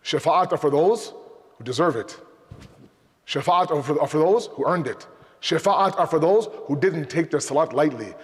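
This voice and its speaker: A man giving a sermon in English, animated, asking rhetorical questions and slipping Urdu and Arabic phrases into his talk. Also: a little high, normal speed. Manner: animated, acts out imagined dialogues, rhetorical questions. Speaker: speaker at a Muharram night program. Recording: long hall reverb.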